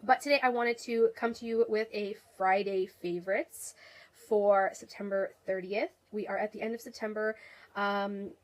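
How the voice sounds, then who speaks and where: A woman's voice: mid-range voice, rough recording. A young woman with a head cold chats to her camera about her makeup, her voice nasal and congested. She rambles in a friendly, casual way, full of ums and restarts, speaking in a middle-range voice. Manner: chatty, rambling, many fillers. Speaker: beauty vlogger.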